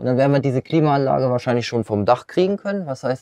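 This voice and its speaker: A man speaks in a dark, mellow tone with very wide pitch swings. The sound is dry, with no echo. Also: quiet background. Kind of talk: tutorial. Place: home room. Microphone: lapel.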